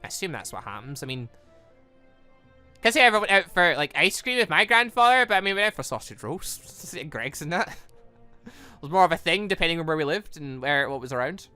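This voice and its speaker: A man's voice: on the high side, sing-song, a little fast, sharp tone, smooth, faint music behind. A British man giving casual, rambling let's-play commentary on a visual novel, stumbling over words and correcting himself as he goes. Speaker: gaming video host.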